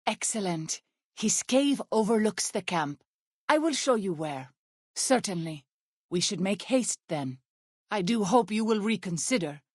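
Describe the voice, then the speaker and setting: An actress voicing a solemn, devout tribal woman in a video game, speaking in a formal, measured and earnest way. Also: medium pitch, animated, breathy edge, dry recording, clean studio sound. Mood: calm, courteous. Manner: formal, measured, earnest speech with few contractions. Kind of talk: video game character dialogue.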